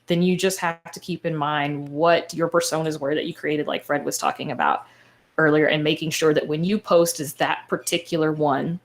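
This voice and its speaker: A woman's voice: low voice, steady tone, moderate pace. A woman speaking as a podcaster on a panel, giving informal, explanatory advice in a conversational way.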